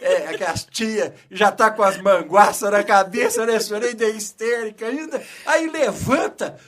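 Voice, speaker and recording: Animated radio storyteller, man. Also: high voice, normal speed. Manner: animated storyteller, acts out scenes. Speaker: radio host. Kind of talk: casual radio chat, storytelling. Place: radio studio.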